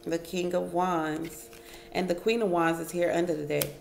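A woman's voice: on the low side, level tone, moderate pace, creaky, a little mellow, roomy sound, a little hiss or hum. A woman giving a casual tarot reading at home, chatting to her viewers and musing over each card aloud. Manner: chatty, addresses viewers as y'all, muses over cards aloud. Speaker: tarot reader. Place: home, at a wooden table.

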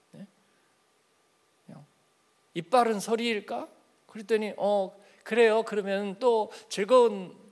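A man preaching an early-morning church sermon in a conversational way, asking the congregation questions and acting out little everyday exchanges. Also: sits high. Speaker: pastor.

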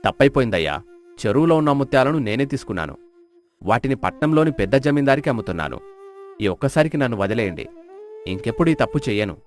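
A man's voice: mid-range voice, big pitch swings, quick pace, long pauses, close to an everyday voice. Man acting a village headman over flute music. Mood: pleading, remorseful. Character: scheming village headman caught out, defiant then pleading. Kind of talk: dramatized moral story acting.

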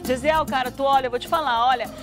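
A woman, hosting a TV show in a studio, playful and teasing with animated exclamations. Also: high voice, fast, loud music behind the voice. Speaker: TV show host. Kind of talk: lively studio talk. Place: bright TV studio.

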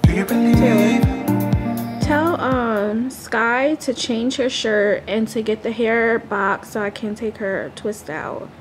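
A woman's voice: on the high side, slow pace, hardly any pauses, music in the background. A young woman and mother chatting casually in a home vlog, rambling with lots of ums. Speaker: vlogger, mother. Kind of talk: casual family vlog chat. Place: home living room.

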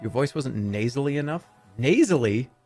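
A man's voice: mid-range voice, normal speed, soft background music. A man in his thirties streaming from home, rambling and swearing as he chats, on a desk mic. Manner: animated, rambling, swears a lot. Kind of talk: casual livestream chatter.

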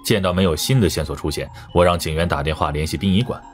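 Man, very low voice, crime audiobook narration, music underneath. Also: fast. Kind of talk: scripted first-person crime novel narration. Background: background music.

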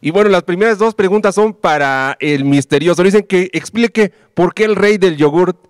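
A man's voice: sits high, moderate pace, smooth, no echo, clean studio sound. A man with a Mexican accent putting questions to interviewees as a reporter on a sports show. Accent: Mexican Spanish.

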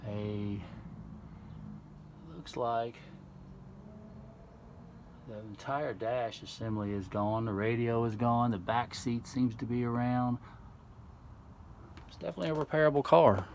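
A man's voice: mid-range voice, steady tone, unhurried, pauses often, a little mellow. A man casually narrating a walkaround video outdoors beside a house, rambling and restarting as he goes. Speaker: car video host. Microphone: handheld camera, speaker off screen. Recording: outdoor video with clear background noise.

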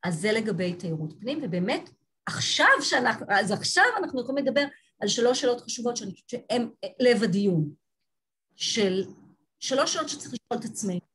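A woman giving an online lecture from slides on a video call, talking thoughtfully with frequent restarts and pauses. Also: on the high side, expressive, a bit bright, husky. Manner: thoughtful, halting, many restarts.

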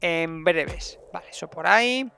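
Male streamer, chatty let's play voice with a creaky edge. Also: a little high, unhurried, sharp tone, a little hiss or hum. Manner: chatty, talks to his game characters. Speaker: gameplay streamer. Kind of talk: casual let's play commentary.

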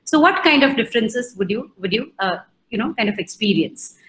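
A woman's voice: fairly high pitch, lively intonation, a little fast, a bit bright, reverberant. A middle-aged woman from Odisha with an Indian English accent, giving an online lecture with many fillers and restarts as she poses questions to the class. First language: Odia. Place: indoor room. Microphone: video call.

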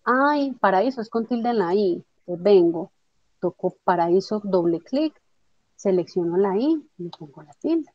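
A woman teaching a software tutorial step by step, patiently checking that her student follows along. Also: mid-range voice, animated, unhurried, no room sound. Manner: patient, explanatory, checks understanding with tag questions. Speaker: instructor. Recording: dull lo-fi dry audio.

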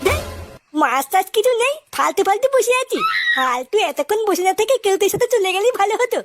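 A woman's voice: extremely high pitch, big pitch swings, a little fast, dry recording. A woman voicing a stubborn, cocky young village boy who grumbles dismissively in a comedy cartoon. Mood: grumbling. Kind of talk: amateur comedy cartoon dialogue.

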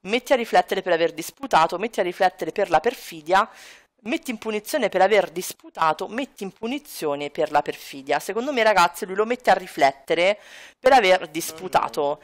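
A woman's voice: fairly low pitch, animated, fairly quick. A woman hosting a gaming channel, narrating her game casually and chatting to viewers. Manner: chatty, addresses viewers, puts on character voices. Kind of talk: casual let's play narration.

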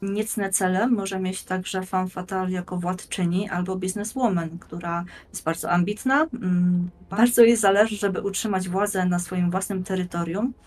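A woman in her thirties speaking as a guest, explaining things in a measured, articulate and rather formal way. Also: on the low side, fairly even intonation, darkish tone. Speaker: guest, blogger and game master. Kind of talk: conversational explanatory presentation. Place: plain room indoors, on video call.

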